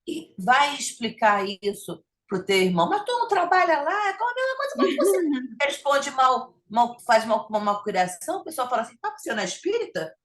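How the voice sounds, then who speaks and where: Woman on a video call, chatty and animated, voice bouncing all over, kinda high. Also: a little fast, few pauses. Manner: animated, repeats phrases for emphasis. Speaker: study group participant. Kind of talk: casual group discussion.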